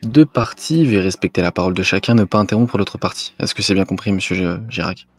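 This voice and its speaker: A man playing a formal, measured judge who keeps order in an online roleplay game. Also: low-pitched. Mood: formal, stern. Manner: formal, measured courtroom phrasing. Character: male court judge, formal, calling for silence.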